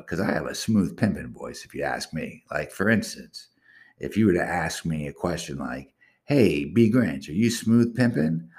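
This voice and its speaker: A very deep-voiced man rambles through a solo podcast. He talks in a boastful, crude way, drifting from one loose thought to the next. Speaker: podcast host. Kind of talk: casual solo podcast monologue.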